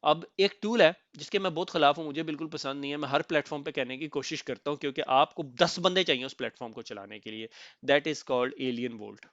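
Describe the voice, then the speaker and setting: A man's voice: on the high side, brisk, fairly bright tone, dry recording, muffled recording. A man teaching a recorded technical lecture in a conversational way, often stopping to check that listeners follow. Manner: conversational, code-switching with English terms, frequent "thik hai?" check-ins. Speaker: instructor.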